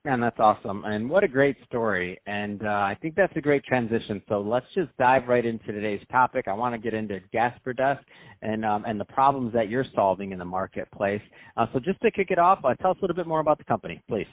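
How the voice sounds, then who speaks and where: A male podcast host speaking in an energetic, chatty, promotional way, with a narrow, phone-like recording. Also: mid-range voice, fast, no echo. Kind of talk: upbeat podcast hosting and ad read.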